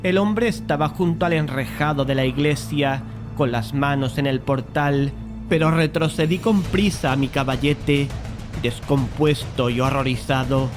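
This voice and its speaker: A man playing a painter who narrates a dramatized horror tale in a measured, literary way, curious and uneasy. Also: mid-range voice, music in the background, lightly acted. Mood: horrified, grave. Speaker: narrator and lead character.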